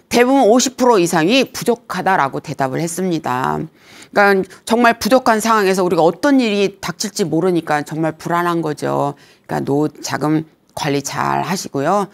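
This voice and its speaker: A middle-aged woman giving a lecture on aging well, joking and telling lively stories. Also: low-pitched, creaky. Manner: humorous, lively storytelling with acted quotes. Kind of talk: senior lifestyle lecture.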